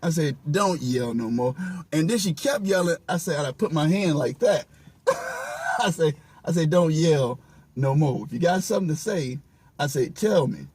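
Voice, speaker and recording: A man's voice: on the high side, animated, normal speed, a little mellow, a little hiss or hum. A man telling casual stories as a guest comedian, slangy and profane, often laughing and acting out what people said. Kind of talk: animated casual storytelling with acted-out quotes.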